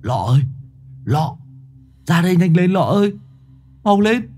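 A man's voice: medium pitch, animated, unhurried, close to an everyday voice. A man playing a goofy, simple-minded young village lad with an easygoing, silly manner. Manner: easygoing, silly, calls out loudly.

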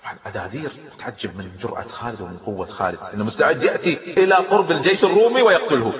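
A fast-talking storyteller with a mid-range voice recounts history in an emphatic, lively way, often pausing to comment on the tale. His voice rings in long hall reverb, and the recording sounds dull and lo-fi.

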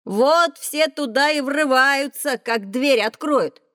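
A woman voicing a lively, curious schoolboy who asks eager questions in a children's audio drama. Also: high voice, slow, dry recording, full character voice. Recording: dry studio recording.

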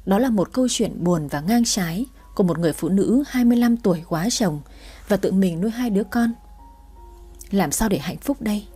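A young woman in her twenties narrates a sad first-person family story in a reflective, sorrowful manner. Her voice is mellow and a little husky, and faint music plays underneath. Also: medium pitch, expressive, a little fast. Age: 20s.

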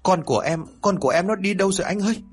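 A man voicing a frantic young village mother with a Southern Vietnamese accent, pleading, crying and shouting. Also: a little high, sing-song, quick pace, breathy edge, pitched above the performer's own voice, exaggerated voice.

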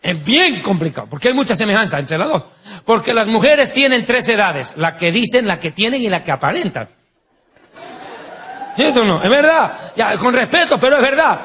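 Male preacher, high voice, animated sermon, rhetorical questions, playful asides. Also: moderate pace. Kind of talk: sermon with anecdotes and jokes.

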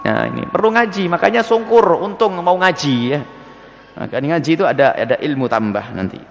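A man preaching and answering religious questions in a lively, animated way, acting out little scenes as he explains. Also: a little fast, creaky, big-room sound, slight background noise. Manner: lively, animated, acts out scenes with sudden pitch jumps. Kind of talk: religious Q&A lecture.

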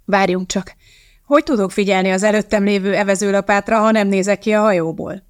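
A woman voicing a sharp, skeptical young woman chemist in an audiobook, with a pointed, questioning manner. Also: mid-range voice, fairly even intonation, clear, resonant tone, no echo, studio quality, lightly acted. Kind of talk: audiobook character voice.

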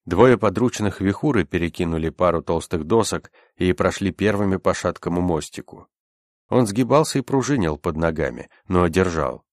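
A male audiobook narrator reads in an even, measured way. His voice sits very low. The sound is dry and close to the mic, with no room in it. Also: no room sound. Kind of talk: scripted narration.

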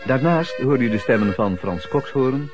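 A man's voice: mid-range voice, animated, normal speed. A man formally reading the closing credits of a radio play as the announcer. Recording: dull, band-limited old radio recording. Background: accordion music.

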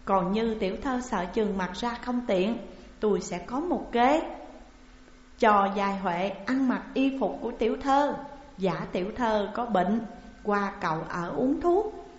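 A woman voicing a calm, shrewd old wet nurse who talks steadily and reassuringly, in a muffled, echoing recording. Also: medium pitch, unhurried, natural voice. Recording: muffled, roomy with long reverb.

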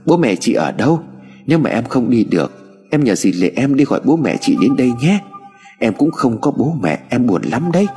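A man voicing a gentle little orphan girl in an audio story, with a childlike, raised voice. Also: medium pitch, very animated, fairly quick, close to an everyday voice. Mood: pleading. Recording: hall reverb with music bed.

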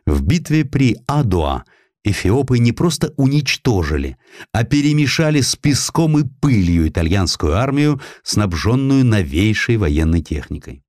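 A man reading a historical essay as an audiobook narrator, in a measured, dramatic storytelling delivery with expressive emphasis. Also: fairly low pitch, no echo, clean studio sound.

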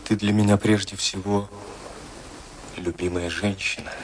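Man acting gallant millionaire suitor, lowish voice, earnest, devoted, theatrical radio dialogue, slight background noise. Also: flat delivery, close to an everyday voice. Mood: earnest pleading. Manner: courtly, ardent, deliberate. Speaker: actor in a radio play.

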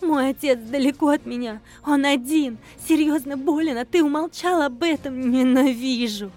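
A woman voicing a furious young woman, a half-werewolf, who shouts accusations and is close to tears. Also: high-pitched, normal speed, soft background music, pitched above the performer's own voice, close to an everyday voice. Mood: hateful. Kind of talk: audiobook character voice.

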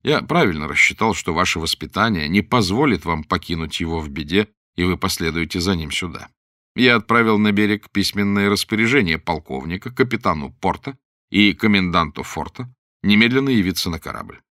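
A man voicing a calm, dryly ironic pirate captain in a storybook reading. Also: low-pitched, fairly quick, no room sound, clean studio sound.

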